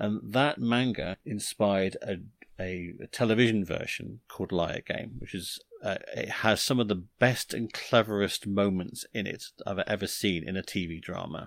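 A man with a British accent, fairly low in pitch, at a moderate pace, in a very clean recording with a silent background. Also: ordinary pitch variation. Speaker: TV producer and podcast host. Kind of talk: casual chat.

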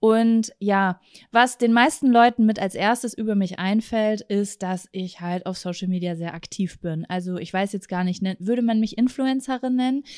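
On a very clean recording with a silent background, a woman speaks in an animated tone. Her pitch is medium, with ordinary pitch variation and a moderate pace. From Germany, East Westphalia (Lübbecke). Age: 30s. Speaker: podcast host. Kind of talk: solo monologue, casual.

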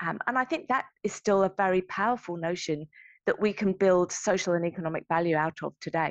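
In a southern English accent, a woman with a passionate tone speaks at a fairly quick pace and medium pitch, with ordinary pitch variation and a dry, close sound with no echo against a quiet background. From England (Brighton/London). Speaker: urban planning consultant. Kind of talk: interview conversation. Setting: remote call. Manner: passionate, articulate.

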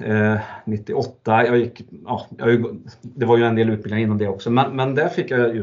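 With ordinary pitch variation, a man speaks at a medium pitch and a moderate pace. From Sweden, Trollhättan. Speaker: sports scientist. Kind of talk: interview. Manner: halting.

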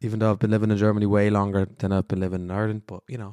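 Very fast and monotone, a man speaks with flat intonation, a fairly low pitch, and a dark, mellow tone. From Ireland, long resident in Germany. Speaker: podcast host. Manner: casual, rambling with filler words.

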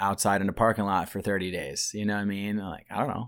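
A man with an American accent and fairly low pitch, at a very fast pace, on a very clean recording with a silent background. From New Jersey. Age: 30s. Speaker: rapper. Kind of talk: casual chat. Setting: studio.

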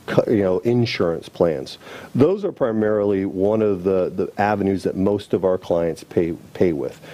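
Fairly low in pitch, a man with a normal speaking voice speaks at a moderate pace. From Florida, Pinellas County. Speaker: home care sales and marketing director. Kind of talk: interview.

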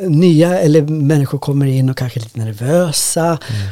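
Speaking at a fairly slow pace, a man has a dark, mellow tone and fairly high pitch. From Colombia, raised in Sweden from age six. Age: 40s. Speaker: fitness instructor and therapist. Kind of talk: interview.

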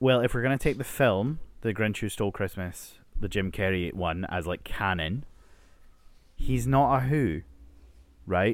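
A man speaks in a Scottish accent at a medium pitch and moderate pace. The recording is very clean, with a silent background. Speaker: science teacher. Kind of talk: casual chat.

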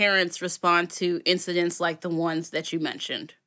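With an American accent, a woman speaks at a moderate pace in a fairly low, bright, sharp tone. The recording is very clean with a silent background. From United States. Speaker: podcast host. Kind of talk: interview.

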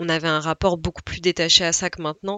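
Fairly quick, monotone speech from a woman with a fairly low pitch and flat intonation. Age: 20s. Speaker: podcast host. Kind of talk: solo monologue.

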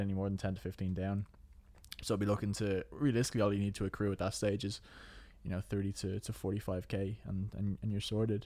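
At a very fast pace, a man speaks in a fairly low, monotone voice with flat intonation. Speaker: personal trainer and entrepreneur. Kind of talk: casual chat. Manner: soft-spoken, speaks fiercely not loudly.

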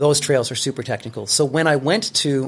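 Here a man with a Canadian accent uses an ordinary speaking voice at a fairly high pitch. He talks at a fairly quick pace with fairly even intonation. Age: 40s. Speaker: ultramarathon runner. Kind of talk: interview conversation.

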